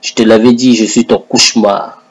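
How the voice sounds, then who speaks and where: Man, online religious commentator, husky breathy tone, combative and taunting, speaking straight to an opponent in a video rant. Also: fairly low pitch, little pitch movement, normal speed, rough recording. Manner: taunting, combative, addresses his rival directly. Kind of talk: confrontational religious video monologue.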